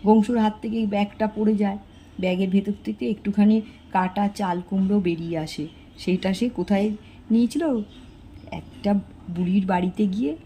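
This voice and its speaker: A woman's voice: moderate pace, warm tone, a little hiss or hum. An older woman narrating a homely village story, briefly lifting her voice for the characters' lines. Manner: homely storytelling, doing character lines with small pitch lifts.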